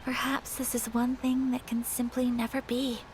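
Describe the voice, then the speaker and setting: A woman voicing a gentle, polite young noblewoman in a video game, soft-spoken and formal. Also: fairly high pitch, little pitch movement, moderate pace, slight background noise, natural voice. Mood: wistful. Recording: game audio with background music.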